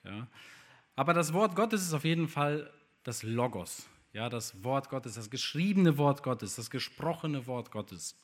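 A man preaching to a congregation in an easygoing, conversational sermon. He often puts questions to his listeners and fills his pauses with little hesitations. His loudness rises and falls in lively swings as he talks. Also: medium pitch. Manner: conversational, asks the congregation questions, many fillers. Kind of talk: sermon with scripture reading.

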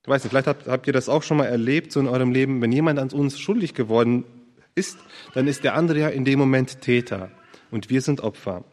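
A man preaching a sermon in an earnest, thoughtful way, feeling for his words with pauses and restarts. His mid-pitched voice carries a long reverb from a church hall. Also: a little mellow. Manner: earnest, searching, with fillers and restarts.

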